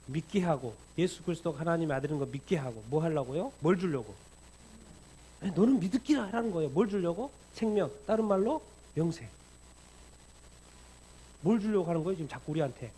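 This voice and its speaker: A man's voice: on the high side, lively intonation, fairly quick, dark tone, husky, rough recording. A middle-aged man preaching a Korean-language sermon as pastor, firing rhetorical questions and acting out quoted lines with animation. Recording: faint background noise.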